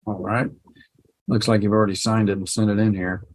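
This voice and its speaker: A man's voice: lowish voice, flat delivery, brisk. A man speaking as a judge in a courtroom recording, running a hearing with short procedural questions and prompts. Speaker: judge presiding over a hearing.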